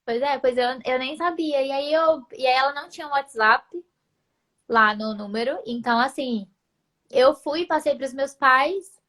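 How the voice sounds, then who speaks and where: A young woman talks casually, telling her stories with lively animation. Her voice sits high and bright, and it leaps even higher when the story gets dramatic. The tone stays chatty and relaxed throughout. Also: a little slow. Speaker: guest. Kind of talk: casual chat.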